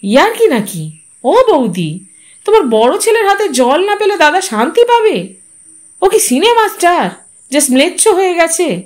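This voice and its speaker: A woman voicing an indignant, traditional aunt in a storybook reading, scolding in a sharp tone. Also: extremely high pitch, big pitch swings, measured pace, voice pushed up, full character voice.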